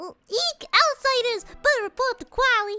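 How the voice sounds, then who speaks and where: A squeaky, put-on character voice with an extremely high pitch and a playful tone moves at a moderate pace. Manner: squeaky, playful.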